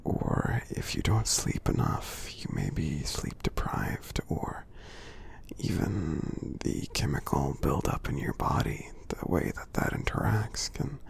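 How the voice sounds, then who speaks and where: A man playing a kind, gentle giant in an ASMR roleplay, speaking softly and reassuringly in a husky, half-whispered voice with many pauses. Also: huge pitch swings, full character voice. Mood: soothing, supportive. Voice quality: husky, breathy, gravelly low voice. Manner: slow, gentle, reassuring, pausing often. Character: gentle friendly male giant, supportive and kind.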